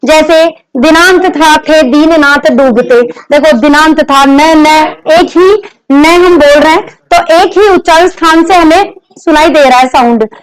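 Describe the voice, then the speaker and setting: Woman, teacher, classroom lecture, very high-pitched, repeats examples patiently. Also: measured pace, poor audio. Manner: explains step by step, repeats examples, asks the class questions. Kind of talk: classroom lecture on Hindi grammar.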